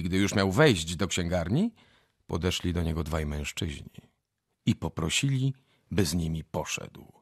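A man narrating a scripted story for a radio drama in a husky voice. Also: fairly low pitch, no echo, clean studio sound, heavily acted.

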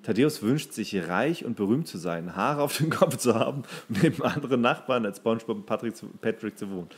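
A man's voice: medium pitch, expressive, fairly quick, slightly rough. A man co-hosting a casual podcast, reading entries aloud and now and then stumbling over the words. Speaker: podcast co-host.

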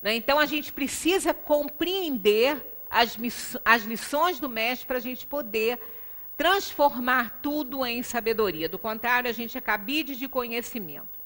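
A middle-aged, Brazilian-accented woman lecturing at a Spiritist center gives a spiritual talk, explanatory and conversational, in a high, forceful, animated voice, a little slow as she takes her time. She's emphatic, stressing points with frequent rhetorical tag-question check-ins. Long reverberation fills the small indoor lecture room, heard through a distant microphone.

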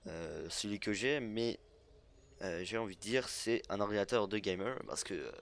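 Hesitant French-speaking gaming commentator, low voice. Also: male voice, moderate pace, creaky. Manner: hesitant, full of euh fillers. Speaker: gaming YouTuber. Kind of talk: casual let's play commentary.

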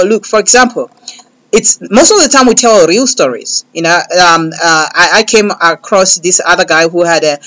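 A man's voice: fairly high pitch, bright, forceful tone. A young adult man speaks as a comedian guest on a radio show, close to a studio microphone. He talks in a loose, rambling way, circling back with fillers and repeated words while he works toward his punchlines. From Malawi and South Africa. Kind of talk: radio interview. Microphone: large studio mic close above.

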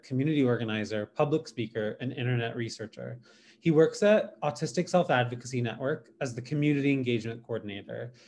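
Man, mid-pitched, friendly moderator, brisk intros, webcam call from home. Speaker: panel moderator. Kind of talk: introducing speakers. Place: home room with pictures on the wall. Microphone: webcam on a video call.

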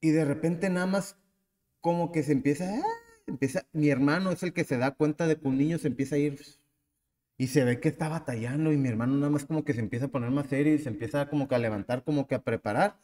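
A man in his thirties with a Mexican accent, hosting a podcast and telling a personal story in a lively, casual way. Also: on the high side, fast talker, long reverb tail. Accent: Mexican Spanish. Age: 30s. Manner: animated, acts out the people in his story. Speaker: podcast host.

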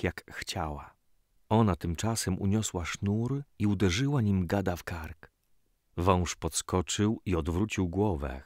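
Deep-voiced, slow-paced male narrator. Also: dry recording, clean studio sound. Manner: measured, dramatic storytelling. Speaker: narrator reading a religious story. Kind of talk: scripted audiobook narration.

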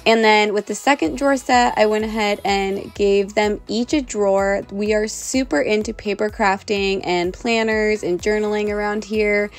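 A young woman and mother giving a relaxed, chatty vlog narration while showing things around her small home. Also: mid-range voice, moderate pace, few pauses, soft background music. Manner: chatty, relaxed, explaining as she shows things. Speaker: vlogger, mother of three girls. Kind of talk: casual organizing vlog narration.

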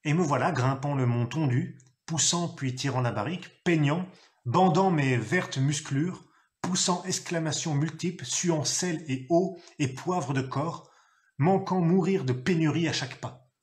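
A man reading a novel aloud, telling it expressively and acting out a gruff father's shouted lines. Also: fairly high pitch, measured pace. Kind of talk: literary reading.

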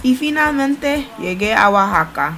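A woman's voice: a little high, big pitch swings, a little slow, a bit bright, soft background music. Young woman reading a study-abroad voice-over. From United States. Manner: plain, careful learner's delivery. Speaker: student narrating a study-abroad video. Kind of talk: read-aloud voice-over narration.

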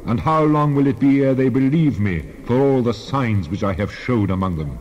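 A man's voice: mid-range voice, animated, moderate pace, darkish tone, close to an everyday voice. A man playing a stern, majestic God in a solemn, declamatory dramatized scripture reading. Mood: indignant. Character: God, stern majestic male divine judge. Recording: long reverb, slightly dull sound.

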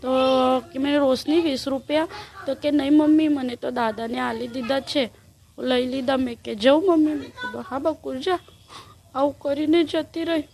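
A grieving middle-aged mother, quietly and tearfully retelling the last morning with her daughter. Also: high-pitched, fairly even intonation, moderate pace, gravelly. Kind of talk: interview recollection.

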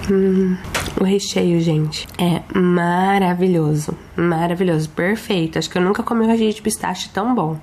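A woman's voice: lowish voice, steady tone, moderate pace, a little mellow, a little hiss or hum. A Brazilian woman reviewing food on her vlog in a chatty, enthusiastic way, talking with her mouth full while chewing. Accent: Brazilian Portuguese. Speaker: food vlogger. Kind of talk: casual product review.

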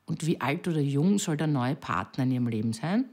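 A woman asking gentle questions as an off-camera interviewer. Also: sits low, expressive, brisk.

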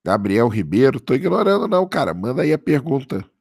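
A man, hoarse from a cold, casually commenting on a live stream and answering viewer chat, often checking in with "tá?". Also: mid-range voice, big pitch swings, brisk, a little mellow, no echo, studio quality. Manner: casual, keeps adding "tá?" for confirmation. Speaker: livestream host.

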